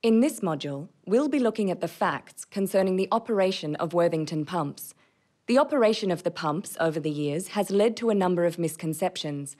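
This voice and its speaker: A woman's voice: lowish voice, expressive, brisk, dark tone. A young woman reading scripted commercial and narration voice-over, close on a studio microphone. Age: young adult. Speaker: voice-over artist. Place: recording studio vocal booth, indoors. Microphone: large studio condenser with pop filter, close.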